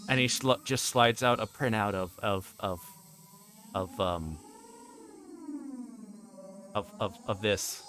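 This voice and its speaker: A man's voice: on the low side, slow, long pauses. Man livestreaming with faint background noise. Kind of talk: casual livestream commentary on a visual novel, reading aloud and explaining.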